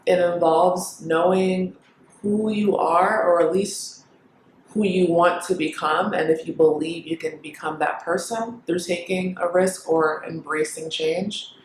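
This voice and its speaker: A young woman from Kenya who grew up in the United States, talking casually to camera, thinking aloud with pauses and fillers. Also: lowish voice, steady tone, roomy sound, a little hiss or hum, rough recording. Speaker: vlogger.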